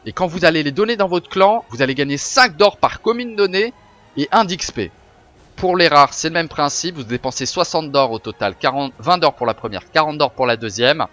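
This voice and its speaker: A man streaming a card-pack opening, chatting casually with his viewers, swearing and getting excited. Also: a little high, moderate pace, dull audio. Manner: excitable, swears, talks to chat. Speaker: gaming streamer. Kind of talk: casual game commentary.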